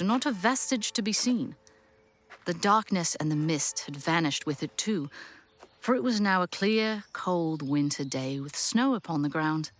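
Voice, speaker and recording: A woman playing the storyteller, giving expressive, literary narration in a scripted audio drama. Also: lowish voice, slight background noise. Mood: descriptive. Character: storyteller narrating a classic Christmas tale.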